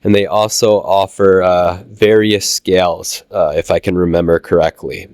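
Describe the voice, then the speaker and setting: A low-voiced man with a Midwestern American accent talks his way through a train show, relaxed and halting with plenty of "uh"s. His voice is smooth and clear despite a lingering cold. It sits close and dry on the mic, with no room sound. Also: no room sound. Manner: relaxed, halting with many "uh" fillers. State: recovering from a cold. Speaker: channel host touring a train show. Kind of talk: casual walkthrough narration.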